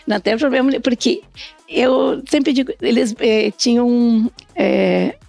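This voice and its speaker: A middle-aged or older woman, a guest on a podcast, tells anecdotes and acts out quoted exchanges in a casual conversational interview. Her voice sits on the high side and is gravelly and a little mellow, her pace measured, with soft music in the background.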